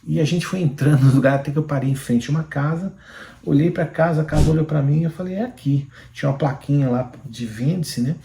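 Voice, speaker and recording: A middle-aged man with a Brazilian Portuguese accent, telling his personal faith testimony in an animated, fervent way. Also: fairly high pitch, fast talker, gravelly, slight background noise. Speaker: Christian YouTuber giving a testimony. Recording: roomy echoing room.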